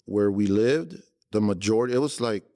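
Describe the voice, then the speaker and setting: Relaxed, low-voiced man in his forties. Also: normal speed, no room sound, studio quality. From Los Angeles, born in El Salvador. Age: 40s. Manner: relaxed, loose, peppers talk with "man", frequent restarts. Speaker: podcast guest, entrepreneur. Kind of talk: casual interview talk.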